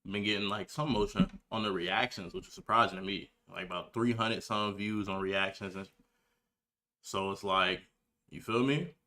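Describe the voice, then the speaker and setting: Bright-voiced young man, low and laid-back. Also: steady tone, normal speed. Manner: laid-back, slangy, talking to chat while setting up. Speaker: livestreamer, gamer and reaction video creator. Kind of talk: casual livestream chat.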